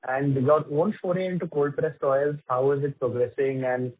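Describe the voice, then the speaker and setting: Husky man on a phone line. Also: mid-range voice, steady tone, normal speed, no room sound. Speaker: financial analyst asking questions. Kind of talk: questioning on an earnings call. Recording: dry, tinny phone line.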